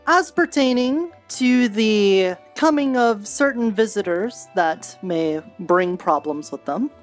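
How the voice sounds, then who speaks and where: A woman improvising in-character roleplay chat, explaining things in a halting, deliberate way. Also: medium pitch, animated, soft background music. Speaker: roleplayer in a virtual-reality game.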